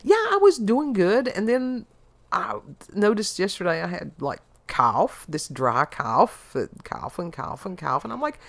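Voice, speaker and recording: A woman's voice: mid-range voice, very animated, a little slow. A middle-aged woman with a congested, stuffy voice, chatting casually as a podcast host and telling wry stories. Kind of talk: casual chat.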